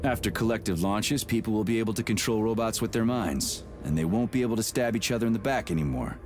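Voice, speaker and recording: An actor playing a gruff, blunt male soldier in a video game, curt and impatient. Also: lowish voice, quick pace, lightly acted. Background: game music.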